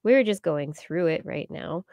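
A woman's voice: lowish voice, animated, unhurried, darkish tone, no echo. A middle-aged American woman hosting a casual livestream chat, playful and rambling, talking close into a large microphone. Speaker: podcast host. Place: indoors on a video call. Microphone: large microphone on a boom arm, close up.

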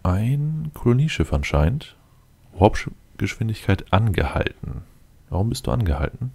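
A man's voice: lowish voice, sing-song, moderate pace, vocal fry, a little mellow, slightly rough. A man giving casual gameplay commentary, thinking aloud and muttering to himself as he plays. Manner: muttering to himself, addressing game units directly. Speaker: let's player commenting on his game.

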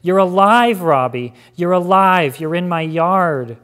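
A reader voicing a grown woman overwhelmed at her lost brother's return, crying out loud and high. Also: expressive, a little slow.

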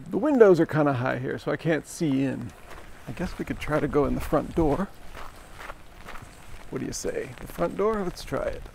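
A man's voice: on the high side, creaky, darkish tone, slight background noise. A middle-aged man talking casually to a handheld camera as he walks around, making wry asides to the viewer. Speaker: travel vlogger. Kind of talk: casual walking vlog narration. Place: outdoors on rainy town streets and inside a shop. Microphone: handheld camera at arm's length.

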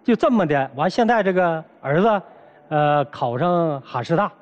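A middle-aged man, telling his side in a lively, complaining, colloquial way. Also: on the high side, moderate pace, lo-fi sound. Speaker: guest husband. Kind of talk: animated storytelling complaint.

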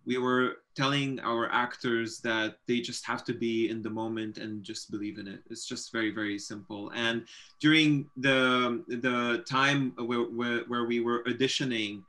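Bright-voiced Lebanese man, halting interviewee. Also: mid-range voice, fairly even intonation. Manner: halting, repeats words. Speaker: filmmaker, interview guest. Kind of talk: casual explanatory interview. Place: home room with bookshelves, video call. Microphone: computer microphone on video call.

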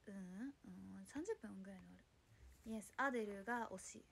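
A woman's voice: mid-range voice, fairly quick, gravelly, fairly bright tone, a little hiss or hum. A young woman, chatting casually on a solo livestream, flustered as she reads and answers viewer comments. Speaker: idol livestreamer.

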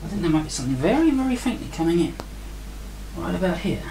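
A man's voice: high-pitched, sing-song, fast, gravelly, mellow, poor audio. Grumpy, dry-humored man narrating his workbench tinkering; a faint hiss underneath. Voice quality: grumpy, sarcastic. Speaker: hobbyist radio builder. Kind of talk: casual demo narration. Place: indoor workbench.

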